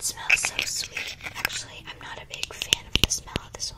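A woman is whispering. Her pace is moderate. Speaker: ASMR creator. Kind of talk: ASMR whisper video talking through beauty products. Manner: whispered, soft-spoken. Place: home room. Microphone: studio mic.

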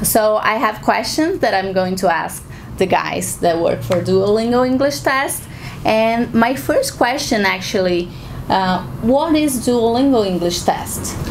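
Over light background noise, a woman with a Portuguese accent talks at a fairly slow pace, her intonation lively and her loudness very even. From Brazil. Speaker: interviewer, channel host. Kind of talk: interview. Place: meeting room.

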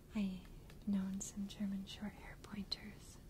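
A soft-spoken woman whispers over noticeable background noise. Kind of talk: casual vlog chat. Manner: soft ASMR whisper. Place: home room.

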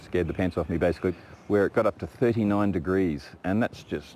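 A man's very deep, low pitch with an Australian accent, moderate pace, dry sound with no echo, and light background noise. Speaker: biologist. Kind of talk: interview soundbite. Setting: outdoors in rainforest. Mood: earnest, concerned. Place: forest.

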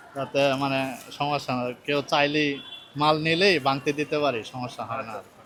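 Fairly even intonation against noticeable background noise. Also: man, fairly high pitch for a man. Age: 50s. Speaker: blind street shopkeeper. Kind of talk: interview testimony.

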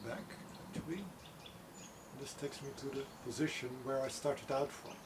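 Noticeable background noise sits behind a man with a fairly high pitch. He talks at a moderate pace with long, frequent pauses. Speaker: meditation guide. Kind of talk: guided meditation. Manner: gentle, soothing, first-person narration. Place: garden. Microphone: camera far.

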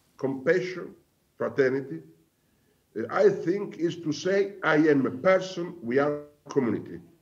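A man's voice with vocal fry over a quiet background. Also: fairly high pitch for a man, ordinary pitch variation, moderate pace. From Sicily, Italy. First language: Italian (speaking Hindi). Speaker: city mayor. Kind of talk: question to panel. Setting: video call. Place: office. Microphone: video call.

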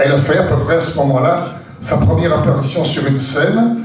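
A man speaks with lively intonation. Audible room echo and light background noise fill the recording. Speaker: show host. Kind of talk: stage announcement introducing performers. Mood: warm, emotional. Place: hall. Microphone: pa.

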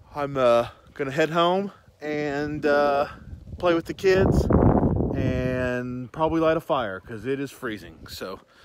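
Loud background noise accompanies speech at a fairly slow pace with ordinary pitch variation and a dry sound with no echo. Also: man. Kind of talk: casual vlog chat. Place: open country. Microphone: phone near.

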